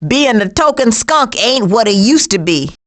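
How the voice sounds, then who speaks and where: A woman voicing a sassy, streetwise, sarcastic female skunk with slangy wisecracks in an animated video game. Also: on the high side, measured pace. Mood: dry, confident.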